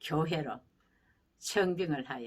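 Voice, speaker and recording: A woman speaks very slowly. She has a Gyeongsang accent. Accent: Gyeongsang dialect, rough speech. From Gyeongju, Gyeongsang region, South Korea. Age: 70s. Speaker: pastor, evangelist. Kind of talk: testimony.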